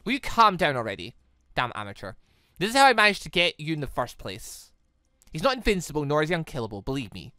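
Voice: mid-range voice, very animated, quick pace, sharp tone, dry recording, pitched below the performer's own voice. A gaming host plays a haughty villainess in a visual novel, cold and commanding. The delivery is curt, scornful and impatient, close and dry over faint game music. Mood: irritated, scornful. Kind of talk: visual novel dialogue read aloud.

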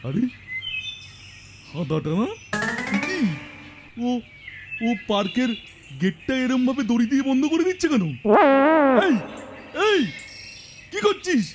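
A man's voice: very high voice, wildly swooping pitch, slow pace, long pauses, full character voice. A man voicing a crafty, indignant young boy in a children's comedy cartoon, exclamatory and scolding. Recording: loud music behind the voice. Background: loud music.

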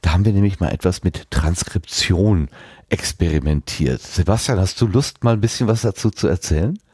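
A man's voice: sits low, a little fast, warm tone, breathy edge, no echo, clean studio sound. A man casually moderating a podcast conversation as its host.

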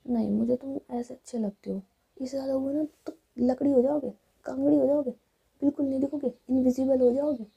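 Woman voicing a doting playful young wife, coaxing, breathy, mellow, storybook. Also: sits high, steady tone, brisk, dull audio, voice pushed up, full character voice. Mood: teasing. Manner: coaxing, playful pet names. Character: affectionate young wife, teasing and soothing.

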